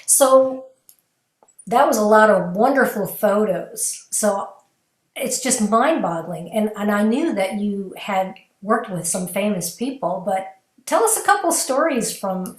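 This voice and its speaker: A woman's voice: mid-range voice, animated, measured pace. A woman hosting an online interview, asking questions with admiring enthusiasm. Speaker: host. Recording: roomy video-call audio.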